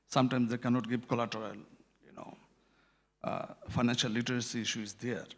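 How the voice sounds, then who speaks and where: A man's voice: medium pitch, steady tone, fairly quick, a bit bright. A man, speaking on a conference panel about microfinance, explaining earnestly with many hesitations and fillers. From Bangladesh. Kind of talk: panel discussion.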